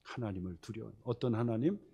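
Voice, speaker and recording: A man's voice: fairly low pitch, a little fast, creaky, warm tone, breathy edge. A male pastor preaching a Sunday sermon. He keeps repeating phrases for emphasis and asks the congregation rhetorical questions.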